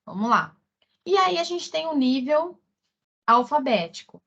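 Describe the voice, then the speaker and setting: A woman with a Brazilian Portuguese accent, lecturing as a teacher for exam preparation, explaining slowly with many fillers and repeated words. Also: sits high, big pitch swings, a bit bright, highs cut off.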